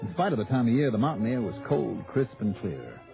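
An actor playing a brisk, wry male insurance investigator who narrates his own case in a 1960s radio drama. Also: medium pitch, sing-song, gravelly. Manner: dry, easygoing, quick narration. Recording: tinny narrow-band old radio broadcast with music.

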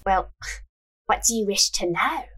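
A woman voicing a calm, cryptic female fortune teller in a read-aloud story, speaking slowly and knowingly. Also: mid-range voice. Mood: cool, inviting.

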